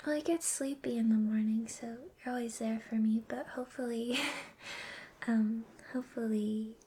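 A young woman whispering softly and giggling often into a close mic, doing an ASMR roleplay. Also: fairly high pitch, steady tone, normal speed, slightly rough. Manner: soft whispering with frequent giggles.

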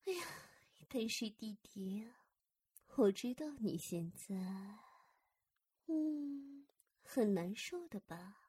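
Woman doing a super breathy husky big sis voice, slow and coaxing, whispers a lot, right up on the mic. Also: a little high, sing-song, mellow, exaggerated voice. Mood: soothing, tender. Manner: coaxing and soothing, often whispered. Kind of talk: intimate audio roleplay.

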